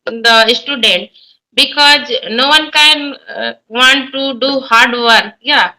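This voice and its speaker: Indian-accented woman teacher, native Hindi speaker, high voice, hesitant and chatty. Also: takes it slowly, bright, forceful tone, poor audio. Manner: hesitant, many fillers and restarts. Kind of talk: casual conversation practice.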